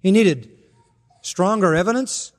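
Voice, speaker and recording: A male pastor preaching an expository sermon, emphatic and citing scripture references in quick lists. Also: sits high. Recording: long reverb in a church hall.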